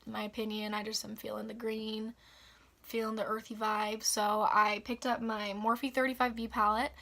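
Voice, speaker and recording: A young woman with a raspy, slightly hoarse voice after the flu, chatting casually through a makeup tutorial. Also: fairly high pitch, level tone, normal speed, fairly bright tone. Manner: chatty, upbeat, filler-heavy. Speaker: beauty vlogger.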